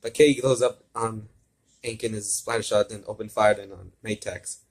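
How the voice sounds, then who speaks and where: Low-pitched man stumbling through a read-aloud. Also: fairly even intonation, moderate pace, gravelly, breathy edge. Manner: stumbles over words, repeats and corrects himself. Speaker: fan fiction reader. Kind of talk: amateur story read-aloud with asides.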